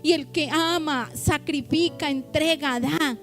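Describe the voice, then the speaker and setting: High-voiced woman preaching with passion. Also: faint music behind. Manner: impassioned preaching with drawn-out emphatic words. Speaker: pastor. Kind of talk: sermon. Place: church.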